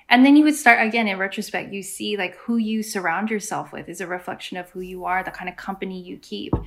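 A woman with an American accent talks at a very fast pace and medium pitch, with hardly any pauses, big swings in loudness and noticeable background noise. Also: ordinary pitch variation. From US, San Diego, California. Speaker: Pacific community member. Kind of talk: casual chat.

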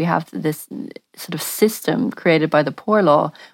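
Against a silent background in a very clean recording, a woman speaks with an Irish accent. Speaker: journalist and author. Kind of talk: panel discussion.

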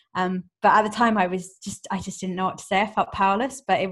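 Very fast and somewhat breathy, a woman speaks at a medium pitch with ordinary pitch variation. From rural England. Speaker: magazine editor and co-founder. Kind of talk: casual chat.

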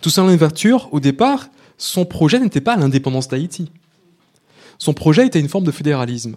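A man speaks at a fairly quick pace and a fairly high pitch, with very wide pitch swings and long, frequent pauses. The recording is very clean against a silent background. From Martinique. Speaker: author and researcher. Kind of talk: public talk with Q&A. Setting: bookshop event with live audience.

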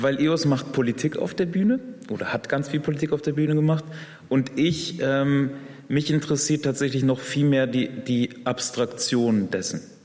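A man's voice at very even loudness, with noticeable background noise. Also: fairly high pitch for a man, ordinary pitch variation, moderate pace. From Germany. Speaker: theatre director and writer. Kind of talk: casual chat.

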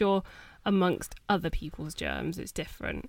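A woman with a British accent is heard on a very clean recording with a silent background.

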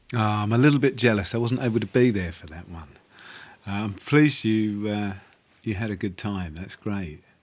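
This man has an unremarkable speaking voice, fairly low in pitch with ordinary pitch variation, a moderate pace and big swings in loudness. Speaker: podcast host. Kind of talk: casual chat.

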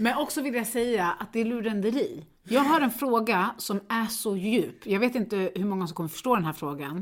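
In a normal speaking voice, a woman talks at a moderate pace with hardly any pauses. Her pitch is fairly high and her intonation lively, on a very clean recording with a silent background. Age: 40s. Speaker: podcast co-host. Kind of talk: casual chat.

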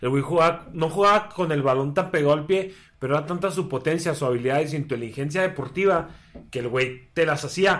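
A man's fairly high voice in a Mexican accent, at a fairly quick pace with ordinary pitch variation. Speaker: podcast co-host. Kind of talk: casual chat.

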